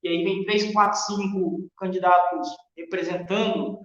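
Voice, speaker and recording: A man's voice: high-pitched, steady tone, unhurried, fairly bright tone. A Brazilian man speaking as an interview guest in a podcast political discussion, earnest, opinionated and emphatic. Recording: very echoey, reverberant room, dull muffled sound.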